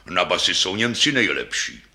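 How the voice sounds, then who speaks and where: A man voicing an old, dignified male double bass in a storybook, speaking slowly and courteously with sighs. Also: big pitch swings, sharp tone, full character voice. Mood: wistful. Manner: slow, sighing, courteous.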